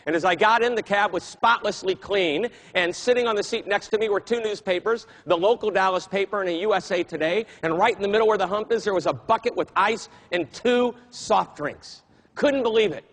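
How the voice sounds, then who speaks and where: A man giving a talk to an audience, telling an animated story and acting out the voices he quotes. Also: high-pitched, brisk, poor audio. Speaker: keynote speaker.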